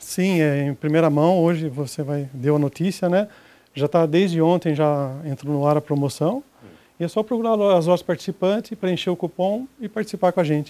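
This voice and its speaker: This man's voice is high in pitch. He speaks at a moderate pace with ordinary pitch variation. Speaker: radio station manager. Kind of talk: casual interview answers, promo talk. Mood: upbeat promotional. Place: shop. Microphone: handheld.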